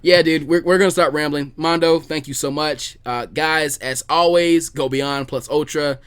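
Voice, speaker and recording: A man's voice: on the high side, steady tone, moderate pace, a bit bright, clear, resonant tone. A man hosting a podcast in casual conversation, informal and repeating words for emphasis. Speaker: podcast host.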